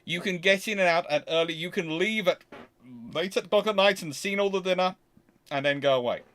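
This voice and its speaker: A British man hosting a casual question-and-answer livestream, talking in a rambling, halting way and often repeating and rephrasing himself. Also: high voice, fairly bright tone.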